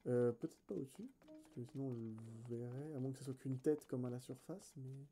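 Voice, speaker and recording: A man with a very dark, mellow voice chats through a let's play session. He thinks out loud, trails off and corrects himself, and talks straight to his viewers in a casual tone. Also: medium pitch, steady tone, fairly quick, a little hiss or hum. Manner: thinks aloud, hesitant and self-correcting; chatty, addresses viewers directly. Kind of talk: casual gameplay commentary.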